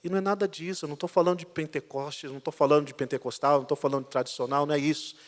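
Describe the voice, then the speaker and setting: A man, a pastor, preaching a sermon as a lively storyteller, swinging between loud and quiet passages. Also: on the high side, very fast. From Brazil. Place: church sanctuary. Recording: church hall reverb.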